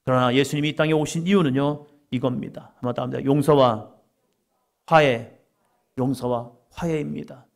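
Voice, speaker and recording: A man's voice: medium pitch, fairly even intonation, fast, vocal fry, hardly any pauses. A middle-aged man preaching a conversational sermon as a pastor, acting out quoted inner voices as he goes.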